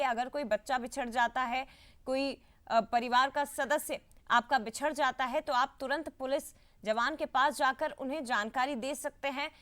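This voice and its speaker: A woman's voice: sits high, fairly bright tone. A woman anchoring live news coverage, making urgent appeals to the public.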